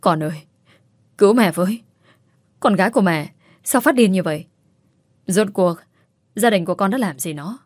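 A woman's voice: mid-range voice, expressive, normal speed, long pauses, no echo, studio quality, close to an everyday voice. A woman voicing a stubborn, domineering mother-in-law who nags insistently. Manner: nagging, insistent.

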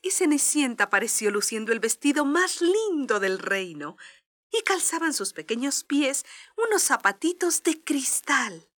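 A woman's voice: sits high, very animated, unhurried, fairly bright tone. A woman narrating a scripted children's story as a storyteller.

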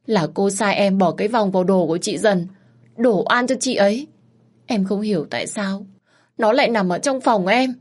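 A woman puts on a young servant girl in a storybook tale, her voice pitched high and strained as she begs for mercy. She sounds tearful and frightened, pleading rather than speaking. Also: normal speed, lightly acted. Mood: accusing. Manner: begging, tearful.

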